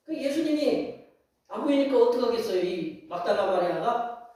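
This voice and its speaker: A pastor's very high-pitched, expressive voice with a dark tone carries through a very echoey sanctuary, recorded from a distance. At a moderate pace he tells folksy stories, plays out scenes and asks the congregation questions.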